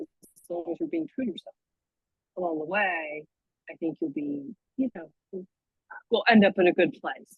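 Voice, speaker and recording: The speech moves at a fairly quick pace. The voice is soft-spoken. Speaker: coaching participant. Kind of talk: casual reflection. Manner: halting. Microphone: quiet, far from mic.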